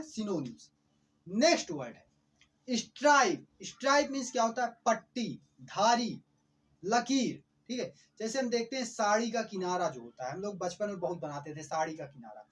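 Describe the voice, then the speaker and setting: A man teaching English vocabulary who keeps asking quick questions and repeating each word before answering it. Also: sits high. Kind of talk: explanatory vocabulary lesson.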